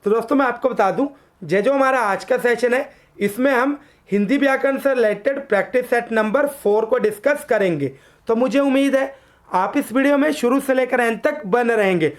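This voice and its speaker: A woman with a high voice leads an exam coaching lesson, drawing out letter sounds slowly so viewers can copy them. She asks her own quiz questions and drops her voice to give each answer. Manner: poses quiz questions, then answers them herself in a lower voice; addresses viewers as friends. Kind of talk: online exam-prep lesson.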